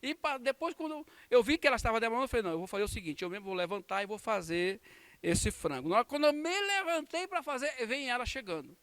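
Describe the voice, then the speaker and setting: A Brazilian pastor teaching a Sunday school class, his voice set unusually high for a man. He tells a personal story and acts out what each person said, and the sound is close and dry. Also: lively intonation, fast talker, no echo. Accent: Brazilian Portuguese. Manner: storytelling with acted-out quotes and warm laughs. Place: church.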